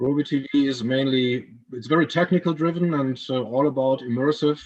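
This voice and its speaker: This man speaks with a German accent and ordinary pitch variation. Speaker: show co-host. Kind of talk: interview.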